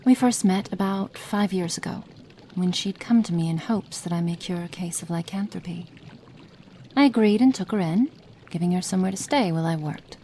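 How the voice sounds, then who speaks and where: A woman voicing a cold, impatient female witch experimenter in an ASMR roleplay, speaking softly and partly in whispers, haughty and condescending. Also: lowish voice, a little hiss or hum, lightly acted. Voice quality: soft, partly whispered delivery.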